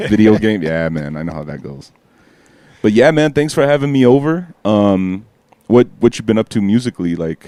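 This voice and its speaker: Recorded as a dry, close sound with no echo, a man with a fairly low pitch and a dark, mellow tone speaks at a moderate pace, his voice making very wide pitch swings and big swings in loudness. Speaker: podcast host. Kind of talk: casual chat. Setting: recording studio.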